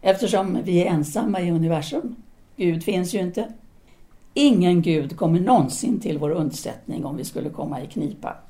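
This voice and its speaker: A woman's voice: fairly low pitch, mellow, natural voice. A woman acting in an audio drama as a self-assured female philosophy teacher in 1930s Paris, speaking in an articulate, formal, didactic way. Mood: lecturing, firm.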